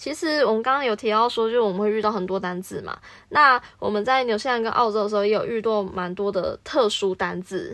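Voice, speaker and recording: In a very clean recording with a silent background, a plain, everyday voice moves at a fairly quick pace with ordinary pitch variation. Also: woman, fairly high pitch for a woman, hardly any pauses. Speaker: working holiday backpacker, podcast co-host. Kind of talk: casual chat.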